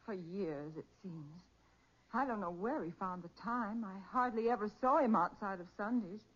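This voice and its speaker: A grieving sister, hesitant n plaintive, husky voice, old muffled radio recording. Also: female voice, medium pitch, moderate pace, a bit bright. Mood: subdued, hesitant. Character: bereaved, hesitant sister of a murdered man. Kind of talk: 1940s radio crime drama acting.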